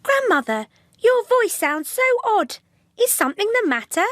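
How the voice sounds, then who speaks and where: A woman voicing a timid little girl in a red hood, using a high, squeaky girlish voice for a storybook reading. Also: very animated, normal speed, a bit bright, no room sound, studio quality, full character voice. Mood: curious.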